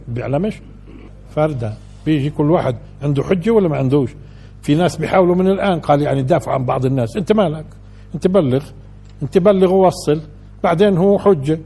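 A man's voice: fairly high pitch, gravelly, warm tone, husky. An older man giving a conversational Quran lesson, asking his listeners questions and building to emphatic peaks. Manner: conversational lecturing, asks the audience questions, rises to emphatic peaks. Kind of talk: colloquial religious lesson.

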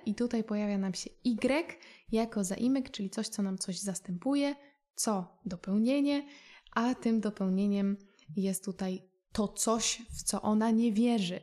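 A woman's voice: mid-range voice, dark tone. Patient woman teaching French. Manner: clear, patient, slows down for foreign examples. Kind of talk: recorded language lesson explanation.

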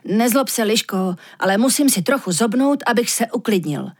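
A woman voicing a timid, cowardly male reindeer in a storybook reading, jittery and quick to take offence. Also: on the high side, lively intonation, husky. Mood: pleading. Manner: jittery, easily startled, indignant.

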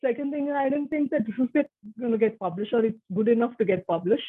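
A woman's voice: fairly high pitch, steady tone, fast, breathy edge. A woman in her forties whose first language is Tamil, talking casually as an interview guest, chatty with frequent restarts. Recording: muffled phone-like line.

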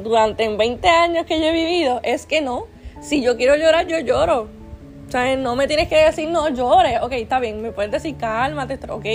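A young woman talks straight to her viewers, chatty and earnest, circling back on her words with restarts and fillers. Her voice sits a little high. Faint music plays quietly underneath. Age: 20s. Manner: earnest, faith-minded advice giver. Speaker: vlogger. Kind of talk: casual personal storytelling.

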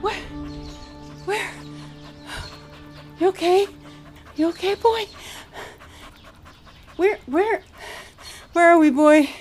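A woman's voice: extremely high pitch, drawn-out words, long pauses, darkish tone, soft background music, heavily acted. A woman voicing a blind woman with a guide dog in a comedic cartoon, calling out anxiously and pleading.

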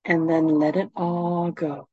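A woman guides a meditation at a very slow, unhurried pace. Her voice is fairly low and soothing, with calm, gentle instructions. The recording is dry and slightly dull. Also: no echo.

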